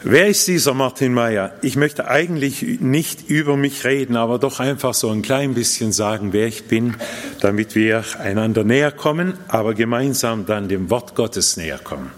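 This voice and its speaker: A middle-aged man raised bilingual in Japan gives an earnest, slow, emphatic sermon in the style of a personal testimony. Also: mid-range voice. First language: Japanese and German, raised bilingual. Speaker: preacher. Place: church hall. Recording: reverberant church hall.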